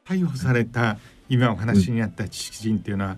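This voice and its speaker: A man hosting a radio interview, asking long questions in a measured, halting way with frequent fillers. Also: on the low side, darkish tone. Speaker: radio show host and journalist.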